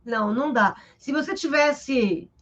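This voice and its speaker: High-voiced Brazilian teacher on a dull stream. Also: female voice, measured pace. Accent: Brazilian Portuguese. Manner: lively and explanatory, tags sentences with "né?". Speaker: literature teacher. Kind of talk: live interview, explaining literature.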